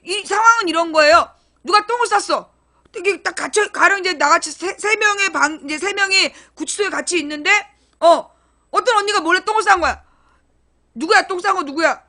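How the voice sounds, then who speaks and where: Very high, bright-voiced blunt woman streamer. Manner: blunt, crude and colloquial, acts out scenes in shouted voices. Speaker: live-stream commentator. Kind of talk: casual live-stream chat.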